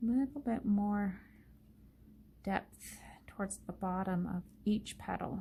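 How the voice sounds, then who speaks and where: A woman's somewhat breathy voice, dark and mellow in tone, at a fairly slow pace. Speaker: card-making crafter. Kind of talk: tutorial. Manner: halting.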